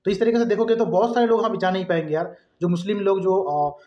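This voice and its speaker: A man talks casually to his phone in a distinctly high voice. He circles back over his points with plenty of filler phrases. The sound is dull and echoey, as from a small bare room. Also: fairly even intonation, fast talker. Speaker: vlogger. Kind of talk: casual opinion vlog to camera. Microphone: phone at arm's length. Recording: dull, roomy phone recording.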